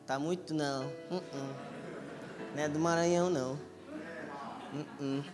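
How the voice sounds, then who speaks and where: A man's voice: on the high side, measured pace. A man preaching a sermon to a live church crowd, acting out the dialogue and teasing the audience. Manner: animated, acts out dialogue, teases the crowd. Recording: echoey hall, light music underneath.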